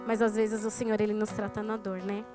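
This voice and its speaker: Speaking directly to the congregation, a woman with a Brazilian Portuguese accent recounts her story as a testimony in a church sermon. Her mid-range voice is level and fairly quick, with music in the background.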